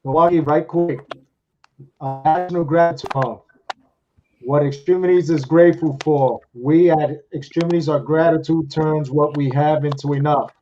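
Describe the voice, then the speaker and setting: Mellow-voiced male co-host, dull audio. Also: on the high side, fairly even intonation, moderate pace, faint music behind. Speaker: podcast co-host. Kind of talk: casual chat. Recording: dull, slightly noisy audio.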